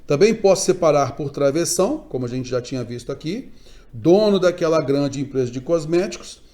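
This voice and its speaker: A Brazilian man teaching a Portuguese grammar lesson online, explaining step by step and often checking in with quick tags. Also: on the high side, animated, dark tone. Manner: didactic, frequent check-in tags, emphatic stresses. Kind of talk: online exam-prep lecture.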